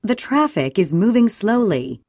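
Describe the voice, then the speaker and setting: A woman reading short English sentences slowly and clearly for a listening and repetition drill. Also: mid-range voice, no room sound, studio quality. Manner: clear, even, deliberate reading. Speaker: English audio reader.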